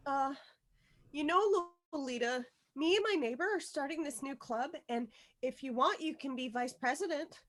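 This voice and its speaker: A woman playing an awkward, anxious junior high girl in a script read, hesitant and pleading. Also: moderate pace, a bit bright. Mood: nervous. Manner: hesitant, stammering, protesting. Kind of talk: table read of a film script.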